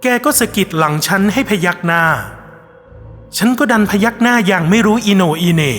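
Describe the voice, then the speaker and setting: A man telling a scripted ghost story in a measured, somber first-person voice. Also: high-pitched. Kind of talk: scripted horror narration. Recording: long reverb with soft music behind.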